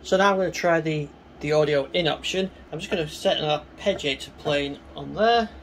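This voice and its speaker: A man giving a casual, hands-on synthesizer demo, explaining informally and a little haltingly as he works. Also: on the high side, gravelly, a bit bright, slight background noise. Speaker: synthesizer demonstrator and reviewer. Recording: synthesizer music behind the voice. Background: synthesizer sounds and music.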